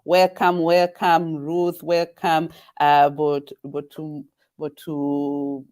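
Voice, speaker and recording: A woman with a Kenyan accent hosting a live webinar over a video call. She talks haltingly, with many fillers and restarts. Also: deep voice, little pitch movement, a little mellow. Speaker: event host.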